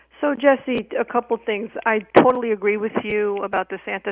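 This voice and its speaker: Using ordinary pitch variation, a woman talks with a New York accent. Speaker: caller. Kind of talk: call-in opinion. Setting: phone call.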